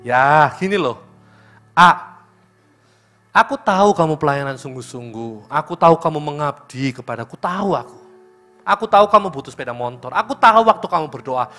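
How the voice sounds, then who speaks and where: A male pastor with an East Javanese accent voicing God in a sermon story, calm and explaining. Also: on the high side, moderate pace, faint music behind.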